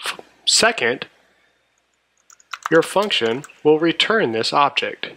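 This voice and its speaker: A man's voice: on the high side, sing-song, slow pace, sharp tone, slight background noise. A man narrating a programming tutorial in a methodical, explanatory way. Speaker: programming instructor. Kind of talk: tutorial narration over a screencast.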